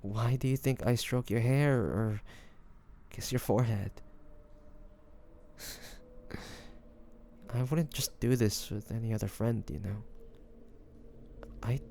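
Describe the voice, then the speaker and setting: Casting: male actor as tender, nervous young lover for romantic audio roleplay; mellow, gravelly voice, hesitant delivery. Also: mid-range voice, slow, pauses often, a little hiss or hum. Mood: tender, earnest. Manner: hesitant, stammering, breathy sighs. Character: devoted young man, tender, nervous, lovestruck best friend.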